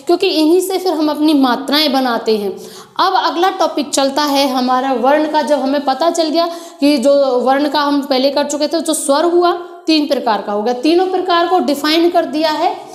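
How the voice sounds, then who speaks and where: Speaking at a moderate pace in a reverberant space, a high-voiced female teacher patiently explains Hindi grammar ahead of an exam. Her grammar lesson mixes in English, and she addresses the class as children.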